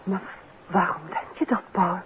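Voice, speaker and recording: An actress playing a detective's curious, teasing wife in a 1950s radio play, bantering and playfully nagging. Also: female voice, fairly low pitch, steady tone, measured pace, breathy edge. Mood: curious, prodding. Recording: muffled, hissy 1950s radio recording.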